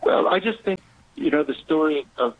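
A man calling in to a radio show, thoughtful and reflective, speaking in a halting way. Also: fairly high pitch, lively intonation, slight background noise. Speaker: caller. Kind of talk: call-in phone conversation. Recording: phone line.

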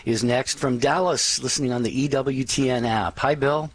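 Husky easygoing male radio co-host. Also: medium pitch, moderate pace. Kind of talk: live call-in radio hosting.

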